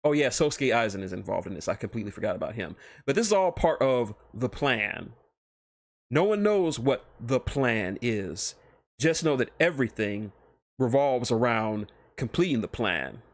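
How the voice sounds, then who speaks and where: Very animated and speaking at normal speed, a medium-pitched male streamer hosts a casual livestream chat about fan fiction. He rambles with profanity and fan enthusiasm into a close microphone, with no room sound.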